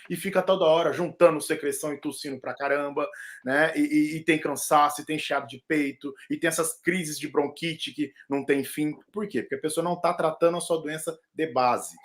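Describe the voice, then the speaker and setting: A middle-aged man, a lung doctor, explaining respiratory infections in an animated, casual way with jokey asides during a live video chat. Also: a little high, a little fast. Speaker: pulmonologist.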